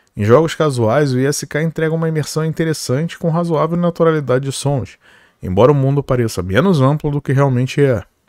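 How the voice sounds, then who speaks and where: A man's fairly high-pitched voice, delivered at a fairly quick pace with ordinary pitch variation, is a normal speaking voice. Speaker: headphone reviewer. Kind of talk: scripted narration.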